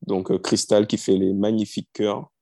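A man in his thirties, a singer-songwriter, telling how his songs came together in a relaxed interview. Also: lowish voice, moderate pace, no echo. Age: 30s. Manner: storytelling, easygoing, frequent fillers.

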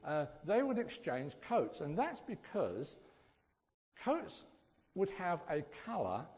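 A preacher with a Suffolk English accent delivers an informal teaching sermon to a group in a large, echoing hall, speaking conversationally and often checking in with questions. His voice is on the high side and a little mellow, and the recording is reverberant.

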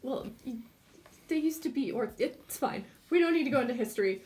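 A woman cohosting a casual Bible podcast, chiming in with quick corrections. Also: sits high, lively intonation, a little mellow. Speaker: co-host. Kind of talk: casual chat.

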